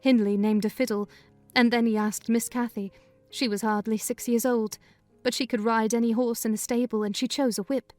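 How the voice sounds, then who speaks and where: A woman's voice: on the high side, steady tone, moderate pace, a little mellow, dry recording, faint music behind, lightly acted. A woman reading a kindly, talkative older housekeeper in a dramatized audiobook. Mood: storytelling. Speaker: narrator voicing housekeeper.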